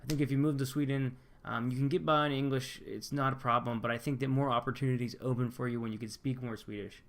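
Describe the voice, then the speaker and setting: Reading viewer comments aloud on his channel, a young man from Pennsylvania answers them in a casual, upbeat way, often restarting loosely. He talks fast at a medium pitch with fairly even intonation.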